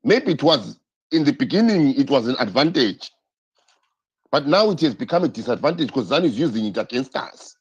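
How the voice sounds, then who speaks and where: Impassioned man on a lively, husky stream. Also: medium pitch, fairly quick. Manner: impassioned, repetitive, rhetorical questions. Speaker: live-stream host. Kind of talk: political live-stream commentary. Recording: dull lo-fi stream audio.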